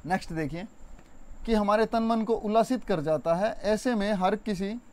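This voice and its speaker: A young man teaching an exam-prep Hindi spelling lesson, chatty and repetitive, stretching words slowly to show stress. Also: high-pitched, a little mellow. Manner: addresses viewers as friends, conversational.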